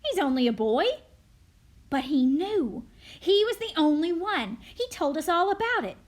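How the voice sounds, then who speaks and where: Woman voicing loud, high-pitched angry mob accusers. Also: big pitch swings, a little slow. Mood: suspicious, demanding. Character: angry, suspicious suburban mob members shouting accusations. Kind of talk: dramatic script reading.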